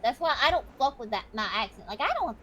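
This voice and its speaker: A woman streamer talks casually with friends, her voice high and bright with a sharp edge. Her pitch leaps around constantly as she chatters and drops the odd curse. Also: animated, quick pace, a little hiss or hum, poor audio. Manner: high-pitched, calls own voice annoying; swears freely, chatty. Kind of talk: casual chat.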